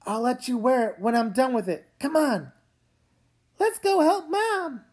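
A woman's voice: high-pitched, animated, unhurried, a little mellow, husky, exaggerated voice. A woman voicing a stubborn, argumentative young girl, an older sister in a comic read-aloud. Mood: dismissive.

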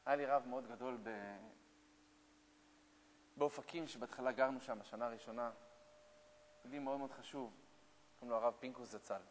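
A man's voice: mid-range voice, long pauses, a little hiss or hum. A man, a rabbi, telling a story as a sermon in a lecture hall, exhorting dramatically and acting out the dialogue. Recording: long echo of a lecture hall.

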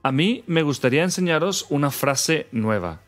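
A man from Spain with a Spanish accent, hosting a scripted podcast lesson segment and repeating phrases clearly for learners. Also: on the high side, animated, soft background music. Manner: clear, measured delivery with phrase repetition. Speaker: co-host teaching Spanish phrases.

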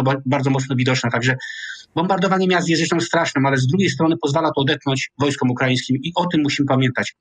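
Older man, husky explaining voice. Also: a little high, a bit bright, no echo. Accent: Polish. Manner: measured, explanatory, restarts mid-word. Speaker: military analyst guest. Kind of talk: analytical interview commentary. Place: small home office with framed pictures. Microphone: video call webcam.

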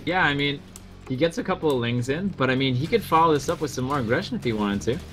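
A male co-caster talks through the match in an easygoing way. His voice sits at a middling pitch, and he often pauses and restarts mid-sentence. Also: soft background music. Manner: relaxed, hesitant, many fillers. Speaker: esports commentator. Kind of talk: casual game commentary.

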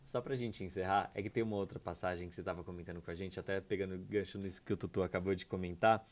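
A man's voice: low voice, fairly even intonation, fast talker. A man from Brazil hosting a podcast, chatting with enthusiastic interjections. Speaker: podcast host. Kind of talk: casual interview chat.

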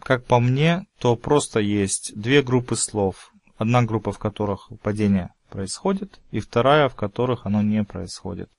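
Male language teacher, lowish voice, measured and careful, dry close recording. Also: darkish tone, no room sound. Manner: measured, careful pronunciation of example words.

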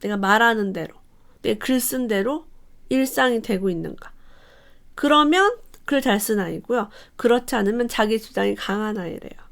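Animated woman reviewing a parenting book. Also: moderate pace, gravelly. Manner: animated, reads quotes aloud with lively shifts in pitch.

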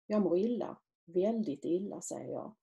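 A woman author reading aloud from her own novel in a measured, quiet literary manner. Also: fairly low pitch, lively intonation, creaky, dull audio.

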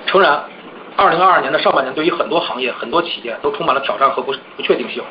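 A man's voice: on the high side, expressive, very fast. A man formally delivering prepared executive remarks on a corporate earnings call. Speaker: company executive. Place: conference call. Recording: dull conference call, faint noise.

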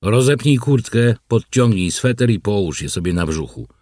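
Guy doing a bossy grumpy farmer type in an audiobook, low husky voice, snaps orders, dry sound. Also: lively intonation, moderate pace, darkish tone, no room sound. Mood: commanding. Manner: curt orders, threatening. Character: gruff bossy rural man, commanding. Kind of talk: audiobook character voice.

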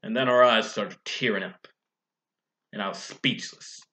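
Young guy doing a hard-boiled noir detective egg, male, wry n world-weary, dramatic drawn-out monologue, kinda sharp bright voice. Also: fairly low pitch, a little hiss or hum. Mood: softened, earnest. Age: young adult. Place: small room indoors.

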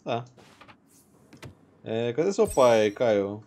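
A man's voice: medium pitch, sing-song, drawn-out words, dark tone. A young man with a Brazilian accent giving casual live commentary as he plays a game. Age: young adult. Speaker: game streamer. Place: indoor room, seated at a computer. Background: game music.

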